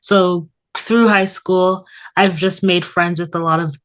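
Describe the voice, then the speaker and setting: A woman's voice: on the low side, steady tone, measured pace. A thirty-year-old woman from Canada with a Canadian accent, chatting casually as a guest in an informal, meandering way. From Toronto, Canada. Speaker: interview guest. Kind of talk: casual chat.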